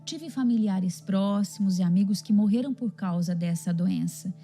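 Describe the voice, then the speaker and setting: A Brazilian woman presents and reads questions aloud. Her voice is very soft-toned and dark, at an average pitch for a woman, with faint music behind it. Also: moderate pace. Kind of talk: reading listener questions.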